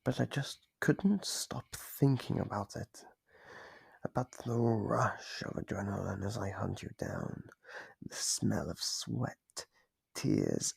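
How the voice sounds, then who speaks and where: A man voicing a playful, sadistic monster from under the bed in an ASMR roleplay, gravelly and breathy, savoring his slow, mock-gentle taunts. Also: sits low, no echo, heavily acted. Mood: hungry, savoring. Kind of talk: ASMR roleplay, scripted monologue. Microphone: close microphone.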